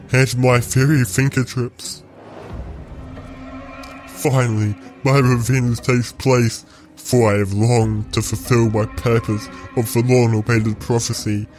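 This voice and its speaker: A gloating supervillain bent on destruction, performed by a man for an amateur audio drama. His medium-pitched voice draws phrases out slowly with grandiose menace. Faint music runs underneath. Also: a little mellow, lightly acted. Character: gloating evil male twin villain bent on destroying reality.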